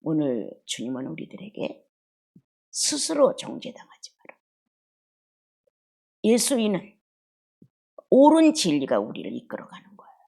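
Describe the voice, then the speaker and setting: Middle-aged female preacher, husky delivery, emotional sermon with wide swings from bursts to near-whispers. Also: on the low side, wildly swooping pitch, a little slow, long pauses. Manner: emotional, swings between loud outbursts and hushed murmurs. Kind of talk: expository sermon.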